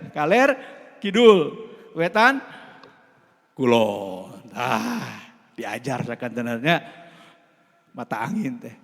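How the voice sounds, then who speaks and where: A man with a Sundanese accent preaching a Christmas sermon in a church, lively and playful, with jokes and laughter. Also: medium pitch, slow pace, vocal fry, long pauses. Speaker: pastor. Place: church hall. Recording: long hall reverb.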